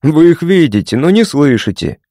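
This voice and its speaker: A man voicing a touchy young male patient who talks matter-of-factly and takes offence quickly. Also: on the high side, sing-song, warm tone, no room sound, clean studio sound, voice pushed up.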